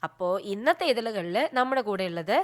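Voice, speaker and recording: A woman's voice: medium pitch, fairly quick. A young woman presenting a children's radio program, speaking in a friendly, coaxing way, like an older sister talking to kids. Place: radio studio.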